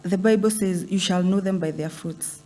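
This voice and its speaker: A woman chats as a guest on a talk show, telling stories in a soft, easy way. Her voice sits on the low side. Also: normal speed, faint music behind. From Kenya. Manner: soft-spoken storyteller, laughs easily. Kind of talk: casual studio chat.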